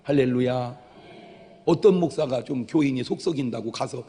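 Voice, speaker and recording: A middle-aged male pastor preaching a lively, joking sermon in casual talk, now and then bursting into loud exclamations in a church sanctuary. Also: mid-range voice, moderate pace, crowd noise. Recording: long reverb of a large hall.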